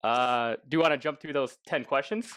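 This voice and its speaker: A man's voice: mid-range voice, normal speed, fairly bright tone, a little hiss or hum. A man co-hosting a podcast in casual interview chat, eagerly restarting his phrases as he goes. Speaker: podcast co-host. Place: indoors in a house.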